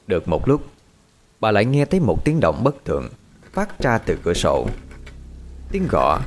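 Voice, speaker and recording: A man reading a horror story aloud as a narrator, steady with lively intonation. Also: lowish voice. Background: faint background music.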